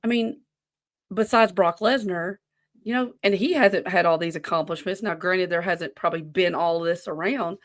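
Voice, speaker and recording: A woman's voice: fairly low pitch, normal speed. A woman in her forties co-hosts a casual talk show. She speaks in a loose, rambling way and often wanders away from her point. The delivery is conversational and unscripted. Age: 40s. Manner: rambling, easily sidetracked. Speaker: podcast co-host running a wrestling quiz. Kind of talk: casual chat.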